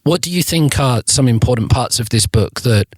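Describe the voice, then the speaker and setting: A man hosts a podcast interview, asking long, carefully built questions and murmuring quiet acknowledgements. His voice sits at a middle pitch, recorded dry and close with no room echo. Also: expressive, slightly rough. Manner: measured, asks long thoughtful questions; frequent murmured backchannel "mm". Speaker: podcast host.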